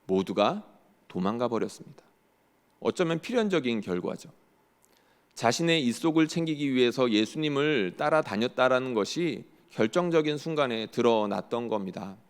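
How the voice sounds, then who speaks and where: A man's voice: mid-range voice, expressive, moderate pace, smooth. A male pastor preaching a sermon in earnest, often posing rhetorical questions to the congregation. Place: church sanctuary. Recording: long church hall reverb.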